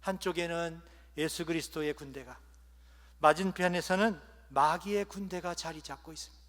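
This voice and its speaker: A man preaching as a bishop at an ordination, telling humorous stories and letting his phrases trail off softly at their ends. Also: fairly high pitch, normal speed. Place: large cathedral. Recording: long cathedral reverb.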